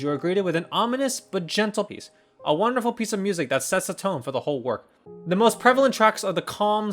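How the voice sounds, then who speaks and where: A man's voice: a little high, fairly bright tone. A man reading a scripted review narration as the host. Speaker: video game reviewer and host.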